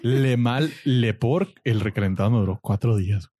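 A man's voice: medium pitch, normal speed, dark tone, no room sound, studio quality. A man with a Mexican accent, co-hosting a podcast, trading slangy, laid-back banter in a casual chat. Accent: Mexican Spanish. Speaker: podcast co-host. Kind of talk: casual chat among friends.

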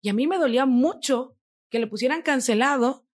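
A woman, a mother telling her story in animated casual conversation. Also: high-pitched, brisk.

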